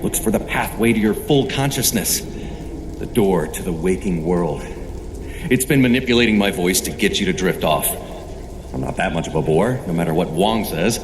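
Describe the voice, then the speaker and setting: A man's voice: medium pitch, natural voice. A man playing a self-assured, erudite sorcerer in an audio drama, wry and theatrical as he talks things through to himself. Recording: echoey room with noisy ambience behind.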